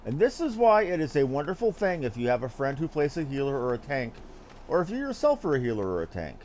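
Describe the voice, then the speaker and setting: A man's voice: mid-range voice, huge pitch swings, quick pace, a little mellow, slight background noise. A man giving casual, offhand gameplay commentary with geeky asides as he streams. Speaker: game streamer.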